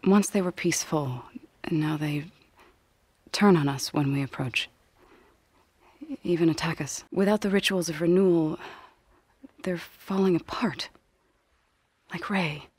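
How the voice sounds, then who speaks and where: An actress playing a solemn, gentle tribal singer in a video game, speaking softly in measured, earnest, formal phrases. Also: female voice, deep voice, husky, no room sound. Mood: grave, worried. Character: solemn, gentle tribal woman, grave singer of a farming people. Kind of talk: video game character dialogue.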